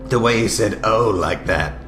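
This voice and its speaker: An actor playing an insecure, despairing young husband and failed comedian in a radio drama, stammering and halting. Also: male voice, lowish voice, fairly bright tone. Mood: defensive. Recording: music behind the voice.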